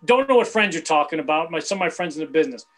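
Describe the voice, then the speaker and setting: A man's voice: fairly high pitch, expressive, very fast, a bit bright. A man in his fifties, a guest on a sports talk show, talking bluntly and boastfully in heated casual chat. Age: 50s.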